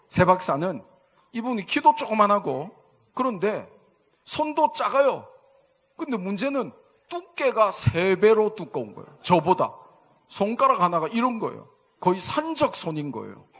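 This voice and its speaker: A man in his fifties with a Busan accent, a pastor telling a funny story in a sermon and drawing replies from the congregation. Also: high voice. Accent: Busan Gyeongsang dialect. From Busan, South Korea. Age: 50s. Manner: animated, jokey, asks the congregation for replies. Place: church sanctuary.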